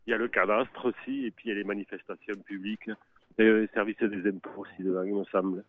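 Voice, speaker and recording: A man with a fairly low voice, heard through a thin, dry phone-like connection. He chats casually and colloquially, hesitating and tacking small tags onto his phrases. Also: fairly even intonation, fast, no echo. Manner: hesitant, colloquial, tag words at phrase ends. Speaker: interviewee, member of the public. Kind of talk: casual spontaneous chat. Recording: tinny phone-like radio line.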